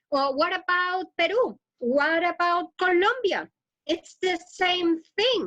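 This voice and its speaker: Speaking in a Spanish accent, a woman uses an extremely high pitch with ordinary variation and a bright, sharp tone. She goes at a very slow pace, and the sound is dry and close with no echo. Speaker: language teacher trainer. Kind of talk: webinar presentation. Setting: online webinar.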